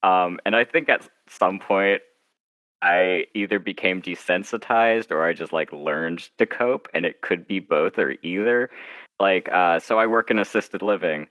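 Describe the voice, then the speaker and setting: A man with a low but bright voice talks casually as a guest author in an interview. He is wry and self-deprecating, stopping and starting and voicing little asides. The recording is dry. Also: a little slow, no room sound, low-quality recording.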